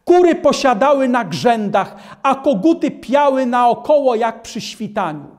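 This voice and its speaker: Slow, grave older man preacher. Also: very high-pitched, big pitch swings, a little mellow. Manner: measured and grave, stands reading from a book. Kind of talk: slow, solemn reading of historical accounts.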